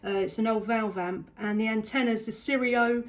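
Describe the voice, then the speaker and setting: A southeast English woman chats on CB radio in a highish voice, keeping her intonation fairly even and her pace moderate. Clear radio static fills the background.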